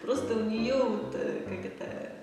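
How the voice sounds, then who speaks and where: High-voiced woman in very echoey sound. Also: steady tone, moderate pace, far from the mic. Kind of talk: casual chat, commenting on what is watched. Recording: very echoey, reverberant, music over the voice.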